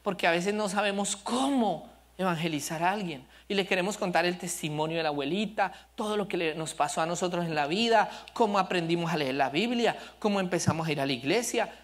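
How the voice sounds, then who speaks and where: A male pastor preaching a sermon, telling stories with animation and asking the congregation questions. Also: sits high. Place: church service.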